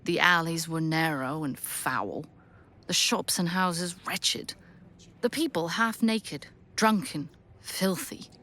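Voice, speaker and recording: A woman narrating a Victorian audio drama in measured, deliberate, weighty phrases. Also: lowish voice. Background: soft ambient soundscape.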